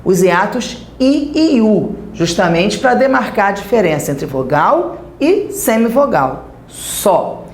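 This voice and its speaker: A woman's voice: medium pitch, sing-song, slow pace, hardly any pauses, echoey room. A woman with a Brazilian Portuguese accent, teaching a recorded grammar lesson and checking in with the class as she explains.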